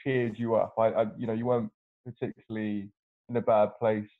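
A man's voice: lowish voice, little pitch movement, fairly quick. A man co-hosting a podcast over a video call, earnest, stammering through restarts. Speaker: podcast co-host. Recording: tinny phone-like video call audio.

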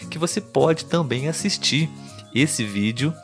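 A man hosting a Portuguese lesson podcast for learners, speaking slowly and clearly, checking in with listeners as he gives examples. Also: a little high, expressive, music in the background. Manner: slow, clear teaching delivery with examples. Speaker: Portuguese tutor and podcast host.

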